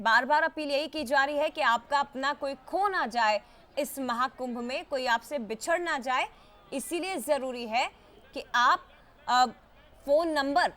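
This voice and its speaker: A woman's voice: sits high, a bit bright. A woman anchoring live news coverage, making urgent appeals to the public.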